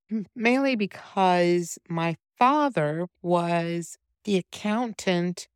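A woman in her fifties speaks with a Romanian accent, her voice low-set with a gravelly fry. She tells her story earnestly and steadily, with small restarts, as an interview guest. The sound is dry and close. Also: no echo. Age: 50s. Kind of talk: conversational interview.

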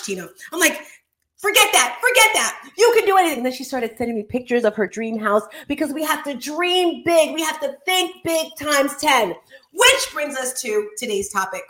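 A woman hosting a motivational online talk show in a chatty, animated, exclamatory and playful way. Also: sits high. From Caribbean.

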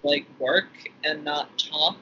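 A man talks in a loose, animated ramble, full of fillers and restarts. His voice sits a bit high, and the recording is dull and lo-fi. A steady noise hums under him. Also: slow. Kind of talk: casual chat. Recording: lo-fi with noisy background.

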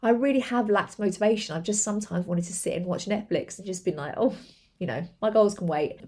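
Mellow-voiced woman giving motivational talk. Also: mid-range voice. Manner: earnest, chatty, many fillers and repeats. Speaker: podcast host, entrepreneur. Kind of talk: motivational monologue.

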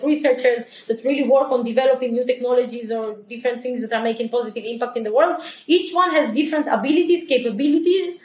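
A woman, a company founder answering podcast questions in quick, eager talk full of fillers. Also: sits high. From Ukraine, raised in Israel. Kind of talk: podcast interview. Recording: roomy echo.

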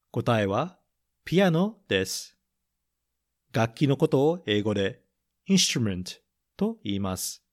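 Slow, careful bilingual male teacher. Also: mid-range voice. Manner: slow, careful delivery, repeating each point in English then Japanese. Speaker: storybook reader and English teacher. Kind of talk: bilingual picture-book reading and vocabulary quiz.

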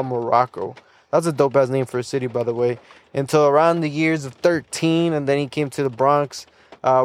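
A young man hosting a casual solo podcast, loose and rambling with plenty of fillers, restarts and small laughs. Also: medium pitch. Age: young adult. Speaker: podcast host.

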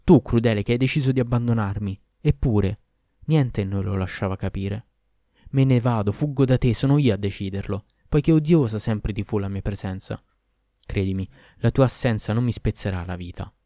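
A man's voice: lowish voice, normal speed, mellow, dry recording, studio quality, natural voice. A man reading aloud as a wrathful, jealous husband who declaims verses sternly. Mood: accusing.

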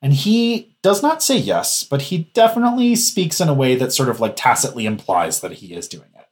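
A man on a podcast, eagerly retelling the story of an anime episode. He laughs easily and gets swept up in it, with a voice of ordinary middle pitch. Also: big pitch swings, normal speed. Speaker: podcast co-host. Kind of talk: casual anime review chat.

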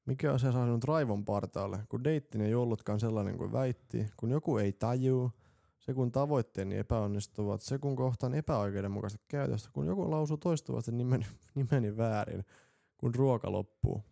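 A man's voice: medium pitch, vocal fry, hardly any pauses, dark tone. A man co-hosting a casual podcast, reading quiz questions aloud with mock enthusiasm and crude jokes. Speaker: podcast co-host.

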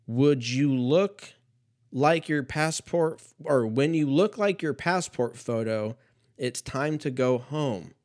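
A man in his thirties talking alone on a comedy podcast in a loose, rambling way. He swears freely and slips into muttered asides, then jumps back up to loud, punchy quips. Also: mid-range voice. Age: 30s. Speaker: podcast host. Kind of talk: casual solo comedic rant.

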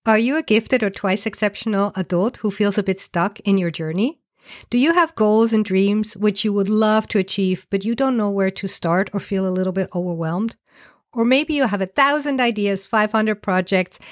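A woman hosting a podcast in a bubbly, talkative way, introducing her show and her guest. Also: mid-range voice. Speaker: podcast host and coach.

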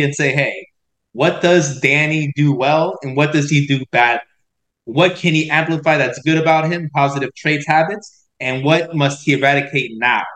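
A man's voice: fairly high pitch, fairly bright tone, roomy sound. A man on a podcast as a guest, talking emphatically and reflectively about looking at oneself honestly. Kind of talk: reflective conversation.

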